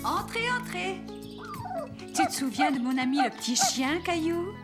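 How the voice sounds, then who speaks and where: A cheerful, kindly grandmother in a children's cartoon. She speaks high with swooping, animated pitch, and music plays behind her. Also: unhurried, heavily acted. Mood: welcoming.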